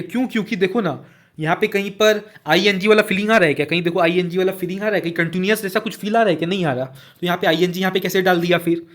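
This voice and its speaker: A man's voice: high-pitched, a bit bright. A man teaching an exam-prep lesson, repeating every answer and checking in with students as he goes. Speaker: online tutor.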